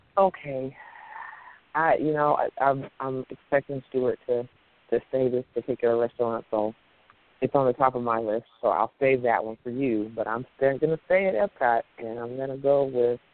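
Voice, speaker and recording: A plain, everyday voice from a man with an American accent, medium pitch, fairly even intonation and a moderate pace. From US South. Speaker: podcast co-host. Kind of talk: casual chat.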